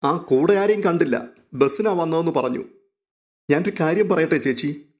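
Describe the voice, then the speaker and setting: A man voicing an eager, chatty young girl who reports news excitedly. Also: a little high, normal speed, voice pushed up, lightly acted.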